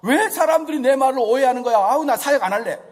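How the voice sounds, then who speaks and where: A whiny, self-pitying grown man moans about his lot in a raised, sing-song voice, as a preacher acts him out. His complaints swing up and down with lively pitch, and a long church reverb trails behind every word. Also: fast talker. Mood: grumbling.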